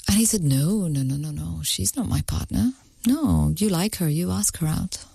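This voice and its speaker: A woman who grew up in the Middle East, telling a personal story in a measured, thoughtful way as an interview guest. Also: on the low side, lively intonation, creaky, warm tone, breathy edge, dry recording, clean studio sound. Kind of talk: reflective personal account.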